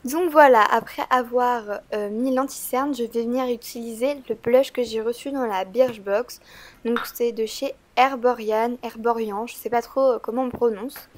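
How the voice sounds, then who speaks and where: A woman with a stuffy, slightly congested voice from a cold. She talks through a makeup tutorial in a fairly high voice, with a chatty, meandering delivery. Frequent "euh" fillers and small hesitations run through her speech. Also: steady tone, moderate pace. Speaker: beauty vlogger.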